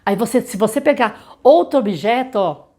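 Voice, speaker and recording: A woman's voice: fairly high pitch, animated, mellow. Brazilian woman teaching literacy methods. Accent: Brazilian Portuguese. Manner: explanatory, asks rhetorical questions and slowly sounds out example words. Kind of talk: teacher training lesson.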